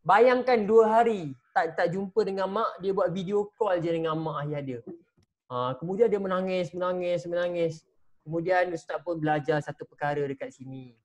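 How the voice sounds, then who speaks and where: A man's voice: high voice, moderate pace. A man teaching religious studies to children over a video call, telling them a story and stopping often to ask them questions. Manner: animated, talks straight to the children and asks them questions. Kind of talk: teaching an online class, storytelling.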